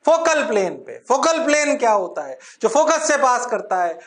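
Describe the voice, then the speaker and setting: A man's voice: extremely high pitch, big pitch swings, normal speed. A male physics teacher giving an exam-prep lecture, coaxing students in a playful, sing-song way and mixing English terms into his speech.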